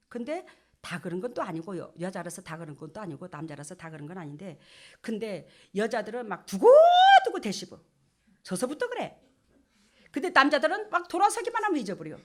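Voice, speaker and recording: Woman pastor, middle-aged; high, bright voice, folksy, playful sermon delivery. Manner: folksy, animated, acts out couples' quarrels with laughter.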